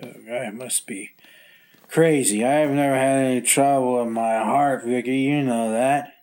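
A man's voice: medium pitch, fairly even intonation, darkish tone, lightly acted. Male actor as an anxious middle-aged man with heart trouble, hesitant, resisting the doctor. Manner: anxious, halting, stubborn. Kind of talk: 1950s radio drama acting.

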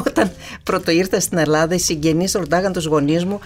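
A woman who grew up speaking Russian, with a slight tremble in her voice, talking in a reflective, unhurried way with soft fillers in an interview. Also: on the low side, fairly even intonation. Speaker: guest singer. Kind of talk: relaxed interview conversation.

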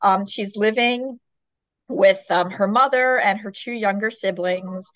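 A woman's voice: medium pitch, unhurried, a bit bright, no room sound, low-quality recording. A woman hosting a podcast, chatting casually about books in a peppy, enthusiastic, gushing way. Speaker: podcast host. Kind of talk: casual book chat interview.

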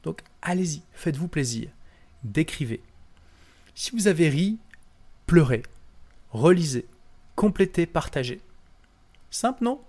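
A man's voice: on the high side, unhurried, long pauses. A young man giving a punchy, emphatic motivational talk straight to his audience. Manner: punchy, animated, emphatic delivery. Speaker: self-help presenter.

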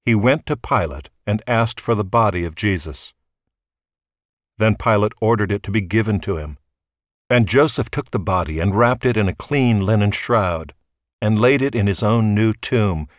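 A man with a lowish voice reads scripture aloud, unhurried and solemn. His delivery is measured and steady. The sound is dry, with no room echo. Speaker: scripture reader. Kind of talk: Bible reading.

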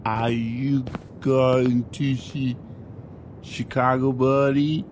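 An actor playing a drunk, dim-witted airline passenger who stammers and repeats himself in a comic radio play. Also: male voice, medium pitch, little pitch movement, extremely slow, a little mellow, slight background noise. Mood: befuddled.

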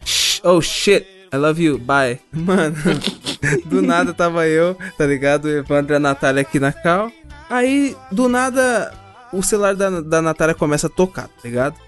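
A man chats on a casual podcast in a laid-back, slang-heavy way. He slips mock English phrases into his stories. His voice is high, and faint music plays behind him. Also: animated, moderate pace. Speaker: podcast co-host.

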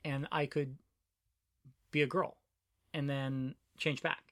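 A middle-aged trans woman talks through her life on a podcast, her voice bright and forward. She is reflective but animated, often breaking into laughter. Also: extremely low pitch, slow, no room sound, clean studio sound. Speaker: podcast co-host. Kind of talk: casual conversation.

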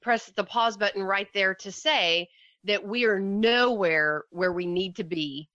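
A woman co-hosting a podcast in casual chat, with a loud voice, talking at length and with enthusiasm. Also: mid-range voice, measured pace, no echo, dull audio. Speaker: podcast co-host.

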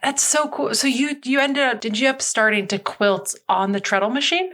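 A woman hosting a podcast, upbeat with scripted intros and quick questions to her guests. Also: on the high side, a bit bright. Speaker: podcast host. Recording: music playing behind the voice.

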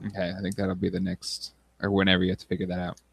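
A man's voice: deep voice, monotone, very fast, gravelly, breathy edge, dry recording. A man in his thirties co-hosting a casual chat, hesitant with many fillers. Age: 30s. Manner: hesitant, lots of fillers, reads aloud. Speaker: podcast co-host.

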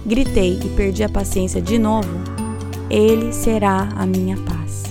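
A woman reading a short scripted devotional in a steady way, with a repeated refrain. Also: mid-range voice, measured pace. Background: music bed.

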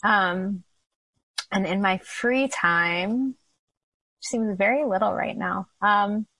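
American woman casually introducing herself, mid pitch, real dry sound. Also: slow, bright, forceful tone, no echo, low-quality recording. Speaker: panel guest.

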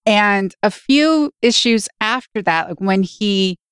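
A woman's voice: mid-range voice, animated, takes it slowly, smooth, dry recording, clean studio sound. A woman in her forties co-hosting a podcast in casual chat, rambling and correcting herself as she tells stories. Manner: rambling, self-correcting storyteller. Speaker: podcast co-host.

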